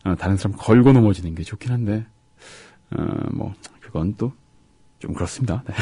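Low husky halting male radio host. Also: warm tone, no room sound. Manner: halting, with gaps between words and syllables. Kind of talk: casual radio talk reading listener comments.

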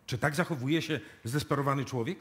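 An actor playing a sceptical police inspector in his forties in a radio play, brisk and wry with hesitant repetitions. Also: mid-range voice, fairly bright tone, husky. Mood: puzzled. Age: middle-aged. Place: music studio, played live before an audience.

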